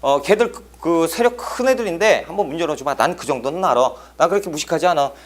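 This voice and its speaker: A man's voice: fairly high pitch, expressive, fast talker, slight background noise, natural voice. A man voicing a brash, hot-tempered male military ruler who speaks brusquely and with scorn. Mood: boastful. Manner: brusque, scornful, loud outbursts.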